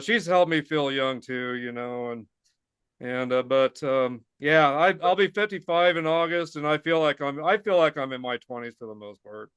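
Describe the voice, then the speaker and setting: A man's voice: fairly high pitch, fairly bright tone, clear, resonant tone, dry recording. A man in his fifties hosting a podcast, chatting in an earnest, agreeable way. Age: 50s. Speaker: podcast host. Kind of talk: casual chat.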